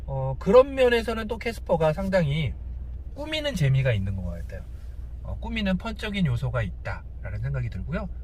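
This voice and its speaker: A man hosting a casual, unscripted car review, speaking hesitantly with pauses between short phrases. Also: a little high, big pitch swings, a little mellow. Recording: clear background car noise.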